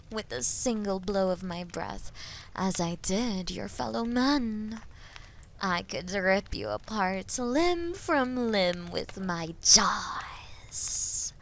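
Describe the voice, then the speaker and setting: A woman playing a haughty, taunting female dragon in a fantasy audio drama, speaking deliberately and often dropping into breathy whispers. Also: medium pitch, animated. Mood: menacing. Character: haughty, menacing female dragon toying with captive knight. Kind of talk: slow, theatrical roleplay monologue in medieval fantasy audio drama.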